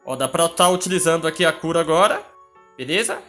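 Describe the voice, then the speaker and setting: A Brazilian man streams a horror game with a high, bright voice. He comments casually and excitably, sounding scared and urgent in his exclamations. Faint game music plays behind him. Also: quick pace.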